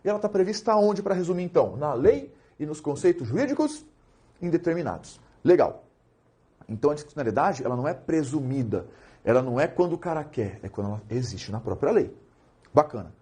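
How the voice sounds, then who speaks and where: A young man with a Brazilian Portuguese accent teaching administrative law in a lively lecture, joking and asking rhetorical questions. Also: a little high, brisk, husky. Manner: animated, jokey, asks rhetorical questions.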